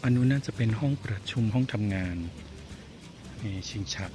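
A man's voice: medium pitch, moderate pace, over music. A man vlogging casually while walking outdoors, chatty and exclaiming as he talks to his viewers. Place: outdoors on a street and in a garden cafe.

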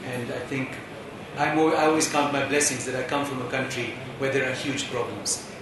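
A man's voice: mid-range voice, steady tone, normal speed. A man from India telling a wry personal story on a conference panel. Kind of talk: anecdotal speech. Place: large conference hall. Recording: echoey hall, distant mic, background hiss.

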